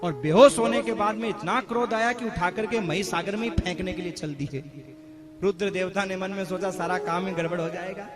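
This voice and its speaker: A man's voice: high voice, brisk. A man preaching as a devotional storyteller, telling a scripture tale in a dramatic way, calling out to his listeners and breaking into sung verses. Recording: music playing behind.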